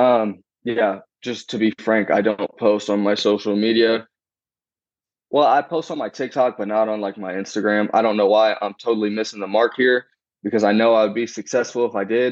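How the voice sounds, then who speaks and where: A man talks in a plain, everyday voice at a fairly low pitch. His pace is moderate and his intonation fairly even. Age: 20s. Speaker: personal trainer. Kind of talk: interview.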